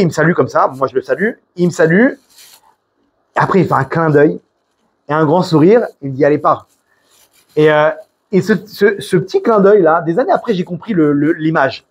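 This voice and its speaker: A French preacher speaks with a French accent in a fairly high, slightly rough voice. His sermon is informal, packed with stories, restarts and Hebrew religious terms.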